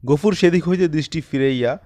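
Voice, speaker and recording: A man's voice: on the high side, a little fast, warm tone. A man reading literary fiction aloud as a scripted audiobook narration.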